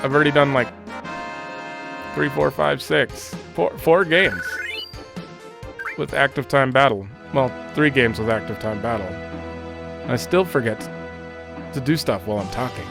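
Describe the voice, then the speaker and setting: A man's voice: mid-range voice, measured pace, gravelly, pauses often. A man in his thirties giving casual, offhand commentary as he plays a video game, rambling as he goes. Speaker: let's play host. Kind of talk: casual game commentary, reading dialogue aloud. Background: video game music.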